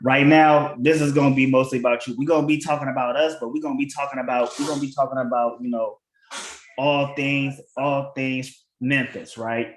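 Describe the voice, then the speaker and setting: A man's voice: medium pitch, fairly even intonation, a little fast. A man hosting a casual livestream chat, laid-back, often stammering and repeating his words. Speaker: podcast host. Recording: echoey room with faint clicks.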